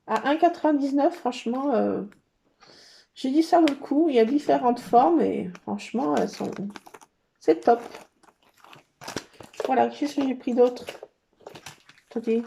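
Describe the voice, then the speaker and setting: A middle-aged woman, rambling through a casual show-and-tell about her crafts with plenty of pauses. Her voice sits a little high yet sounds mellow and warm. A faint hiss runs under the recording. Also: creaky. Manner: chatty, rambling, full of hesitations. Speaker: scrapbooking vlogger.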